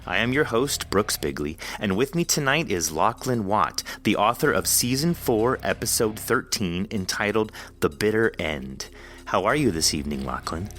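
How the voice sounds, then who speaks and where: A man's voice: lowish voice, animated, normal speed, fairly bright tone. A man hosting a conversational podcast interview in an effusive, rambling way. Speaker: podcast host.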